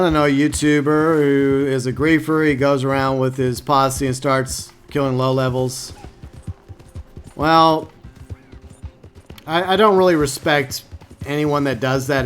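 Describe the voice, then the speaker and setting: A man's voice: mid-range voice, fairly bright tone, smooth. A man from Texas, casually chatting to viewers on a live game stream and reading their comments aloud.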